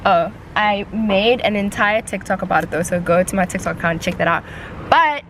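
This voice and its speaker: A woman's voice: medium pitch, moderate pace, a bit bright. A young woman hosting a casual vlog, chatty and giggly. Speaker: vlogger host. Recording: noisy handheld vlog audio.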